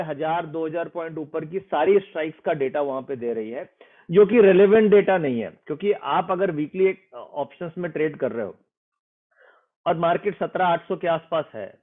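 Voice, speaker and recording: A man explains a trading method in an interview. He is earnest and persuasive, and he slips English phrases into his talk. His voice sits fairly high and comes through a thin, phone-like line. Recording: tinny phone-like sound.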